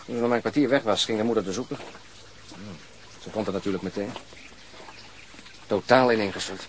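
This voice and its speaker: A man's voice: on the low side, brisk, a little hiss or hum, natural voice. An actor in a Dutch radio drama playing a sober, grim male police detective who speaks in a terse, grave way.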